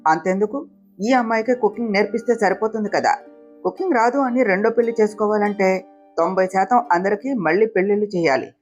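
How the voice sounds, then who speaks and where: Storybook figure: gentle teasing young husband, read by a woman, breathy tone. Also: mid-range voice, fast, lo-fi sound, soft background music, natural voice.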